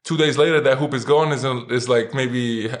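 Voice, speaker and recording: A man from Lithuania hosting a casual interview, halting and restarting often, livening up when he tells stories. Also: mid-range voice.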